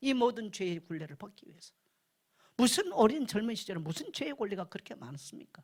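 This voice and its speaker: A woman speaks at a fairly high pitch with very wide pitch swings and big swings in loudness. Her voice is somewhat breathy. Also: fairly quick pace. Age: 70s. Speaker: pastor. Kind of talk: sermon.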